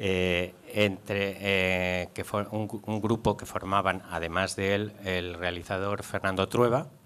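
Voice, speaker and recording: This man's pitch is very deep and low. He talks at a fairly slow pace with fairly even intonation. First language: Spanish (speaking French). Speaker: film critic, event moderator. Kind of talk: live talk introduction. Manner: halting.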